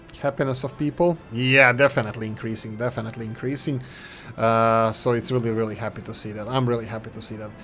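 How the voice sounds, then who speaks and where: A man with a non-native accent talks very fast at medium pitch, his intonation fairly even but his loudness swinging widely. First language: not English. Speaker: gaming youtuber. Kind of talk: gameplay commentary; channel outro. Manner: casual, halting with fillers.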